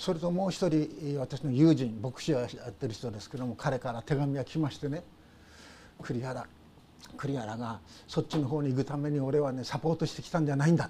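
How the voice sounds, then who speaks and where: Somewhat breathy and dark, mellow in tone, a man's fairly high voice moves at a fairly quick pace with ordinary pitch variation. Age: 70s. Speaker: pastor. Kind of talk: sermon.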